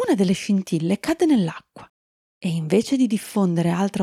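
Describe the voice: Plain reading aloud over a quiet background, intonation lively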